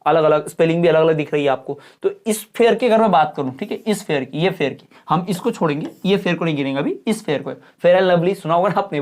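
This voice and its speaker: Man teaching, quizzing his class. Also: high-pitched. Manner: asks and answers his own questions, repeating checks like "theek hai?"; reads English definitions slowly and deliberately. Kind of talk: Hindi-English classroom lecture.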